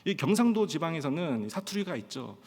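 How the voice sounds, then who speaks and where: Pastor preaching in a reverberant church. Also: male voice, a little high, sing-song, fairly quick, darkish tone. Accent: standard Korean, trained out of Gyeongsang dialect. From Pohang, South Korea. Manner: storytelling with frequent "예" fillers and acted-out quotes. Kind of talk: sermon at a Friday prayer meeting. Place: church sanctuary. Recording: long church-hall reverb.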